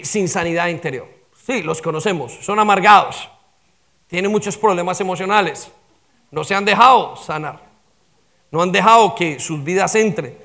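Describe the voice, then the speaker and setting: Preacher guy, high voice with lots of gravel, emphatic, keeps asking the crowd questions. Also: fairly bright tone. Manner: emphatic preaching, rhetorical questions, asks for amens. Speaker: pastor. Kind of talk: sermon.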